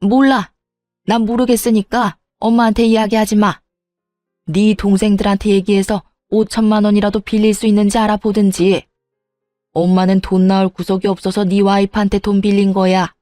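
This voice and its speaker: A woman's voice: medium pitch, little pitch movement, normal speed, dark tone, no room sound, faint music behind, natural voice. A woman voicing a selfish older mother-in-law who dismisses and scolds her son in a storybook reading. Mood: dismissive.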